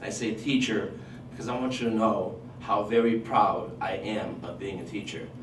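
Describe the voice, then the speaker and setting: A man who grew up in Portugal and whose first language is Portuguese, a high school teacher testifying at a public hearing in an earnest, animated way. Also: normal speed. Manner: earnest, animated when quoting himself and students. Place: large hall at a public hearing. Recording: roomy hall, voice from a distance, faint noise.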